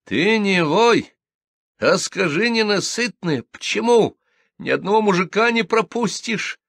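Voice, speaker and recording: A man's voice: high voice, lively intonation, a little slow, creaky, no room sound, pitched above the performer's own voice, full character voice. A man voicing a stern, angry village widow who snaps through her teeth. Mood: furious. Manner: sharp, hissing through teeth.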